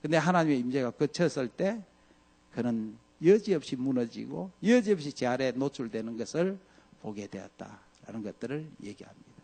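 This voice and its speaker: A man preaching a sermon as pastor, swinging from loud peaks to hushed lows and acting out scripture quotes. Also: very animated, normal speed, vocal fry. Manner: acts out scripture quotes in dramatic voices.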